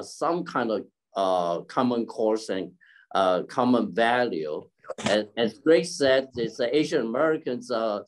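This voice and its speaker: Speaking from home beside a curtained window, this community leader in his seventies delivers an unscripted keynote on an online forum with a mid-range, darkish voice. He halts often and keeps clearing his throat, and the video call's desk mic gives poor sound.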